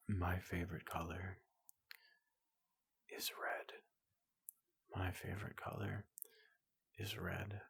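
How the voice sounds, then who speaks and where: A man playing a big, gentle robot doctor in a soothing ASMR roleplay, speaking in a hushed, breathy half-whisper with a polite, reassuring manner. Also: low-pitched, no echo, heavily acted. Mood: gentle, curious. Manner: slow, gentle, reassuring, repeats questions softly.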